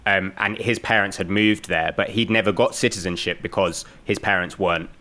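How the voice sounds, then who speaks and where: A man with a distinctly deep voice speaks as a panellist in a news discussion. He explains points informally, in a conversational style. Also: steady tone, normal speed, bright, forceful tone.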